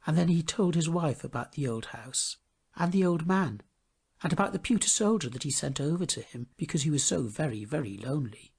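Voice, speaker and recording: Expressive male storyteller, lively swooping pitch. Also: a little fast, creaky, slightly rough. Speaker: storybook reader. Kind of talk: scripted storybook narration.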